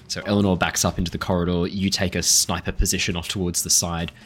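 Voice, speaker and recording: A man's voice: low voice, flat delivery, fast, fairly bright tone, breathy edge. A man narrating a tabletop role-playing game as game master, agreeable and affirming towards his players. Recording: music underneath.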